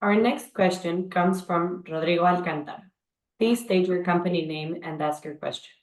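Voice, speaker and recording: A woman's voice: lowish voice, moderate pace. A woman working as a conference call operator, reading scripted announcements in a formal, procedural manner. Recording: roomy, echoing call audio.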